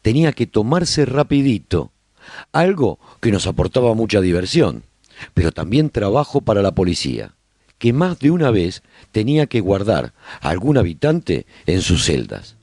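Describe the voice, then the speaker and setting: A man narrating a radio drama as a survivor chronicling life in his colony, with measured, expressive storytelling. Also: lowish voice, no room sound, clean studio sound. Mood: reflective storytelling. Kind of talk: scripted first-person narration, radio drama.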